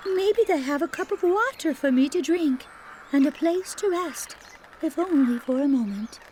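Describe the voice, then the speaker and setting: A woman voicing a kind, innocent young princess with a sweet, gentle manner for a children's storybook. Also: high voice, expressive, normal speed, slight background noise, pitched above the performer's own voice. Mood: weary.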